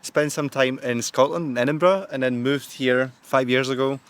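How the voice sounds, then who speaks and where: A man from Poland who lived in Scotland, speaking in a relaxed, hesitant way in a casual interview. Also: medium pitch, normal speed, clear, resonant tone.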